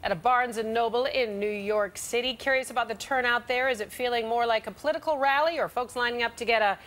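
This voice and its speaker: A woman's voice: a little high, fast, a bit bright. An American woman working as a news anchor, presenting live television news.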